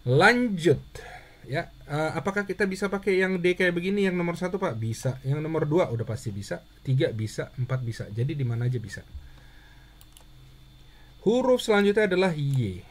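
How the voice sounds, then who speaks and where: A man teaching a handwriting lesson, patient and steady, who asks questions and answers them himself. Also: fairly high pitch, moderate pace. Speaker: Russian language teacher.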